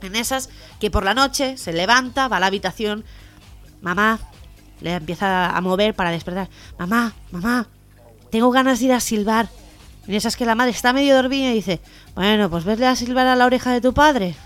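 A woman co-hosting a local radio comedy show with a Catalan Spanish accent, telling jokes with lively acted-out voices. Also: mid-range voice, fairly quick. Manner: lively joke-telling, acting out the lines of the joke characters. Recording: radio show with faint music behind.

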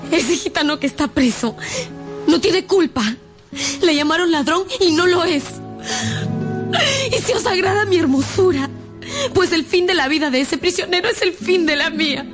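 A woman's voice: very high voice, normal speed, pauses often. An actress playing a desperate young gypsy girl in a radio drama, pleading tearfully for her beloved. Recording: music behind.

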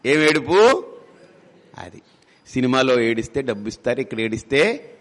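A man's voice: mid-range voice, big pitch swings, moderate pace, a bit bright. A man as spiritual teacher giving a discourse, conversational, with rhetorical questions and humorous asides. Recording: long hall reverb.

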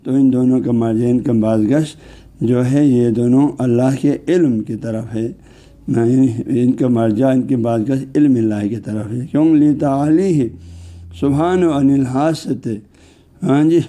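A male Islamic scholar giving a religious lecture, explaining terms word by word with frequent filler phrases and reading Arabic passages slowly. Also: mid-range voice, warm tone.

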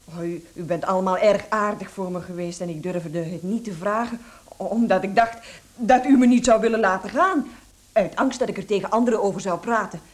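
A woman's voice: medium pitch, brisk, lightly acted. A woman acting a timid, servile housemaid in a radio play, pleading and deferential. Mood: relieved, grateful.

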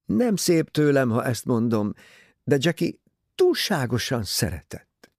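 A man performs a jittery young husband in an audiobook, raised and loud, swinging wildly in pitch as he pleads. His voice is husky and a little gravelly. The recording is close and dry. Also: no room sound. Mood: agitated. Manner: excited, pleading outbursts. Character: nervous agitated young husband, defensive.

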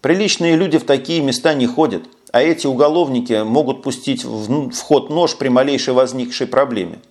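A worried young man pleads and lectures with nervous caution, as a male audiobook narrator voices him. His pitch sits in an ordinary middle range. The tone is anxious and insistent rather than theatrical. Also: fairly quick, darkish tone, natural voice. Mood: anxious warning.

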